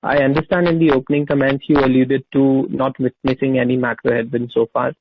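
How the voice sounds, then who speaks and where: A man's voice: mid-range voice, level tone, brisk, slight background noise. A man asking questions as an analyst on an earnings call. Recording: dull lo-fi conference phone line.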